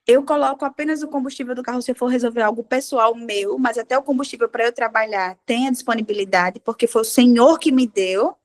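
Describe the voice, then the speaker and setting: A woman with a high, bright-sounding voice shares her testimony in a relaxed devotional chat among women. She tells her stories animatedly and acts out the dialogue as she goes. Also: a little fast, hardly any pauses. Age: adult with a child. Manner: animated storyteller, acting out dialogue. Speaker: devotional group participant.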